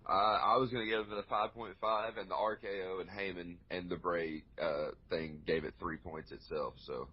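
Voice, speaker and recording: A man's voice: deep voice, fairly even intonation, normal speed, slightly rough, muffled recording. A man talking bluntly as a guest on a casual wrestling podcast, ranting with plenty of swearing.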